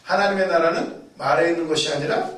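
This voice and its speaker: High-voiced preacher man, very echoey. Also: fast. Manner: animated storytelling, acting out quoted voices and shouts; repeats key words for emphasis. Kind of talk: sermon. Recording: very echoey, mic far off.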